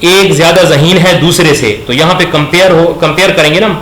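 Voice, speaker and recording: A man teaching a grammar lesson. He asks questions and slowly drags out words so the class can repeat them. His voice sits a little high and rings in an echoey room. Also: fairly even intonation, a bit bright. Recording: echoey room with faint background noise.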